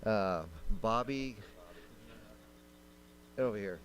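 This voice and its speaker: A man's voice: on the low side, extremely slow. A man, a council member, giving a heartfelt, informal tribute to a veteran at a city council meeting. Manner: warm, informal storytelling.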